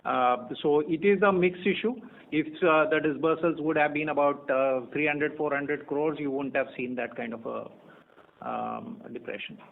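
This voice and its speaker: A man with an Indian accent gives unscripted executive answers on an earnings call, measured and halting, often repeating phrases as he searches for words. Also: fairly high pitch, creaky. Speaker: company executive answering analyst questions. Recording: tinny narrow-band phone conference line.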